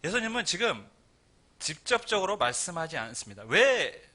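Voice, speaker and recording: A man's voice: high-pitched, very animated, moderate pace, bright, forceful tone. A man preaching a Sunday sermon in a conversational way, acting out little quoted exchanges as he explains. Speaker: pastor.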